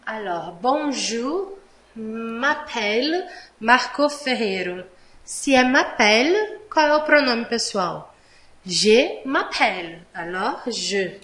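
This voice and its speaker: Woman teacher going thru french examples slowly, kinda high voice, echoey room. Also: animated, fairly bright tone. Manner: slow, patient explaining; mixes Portuguese explanations with French examples. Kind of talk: online language lesson.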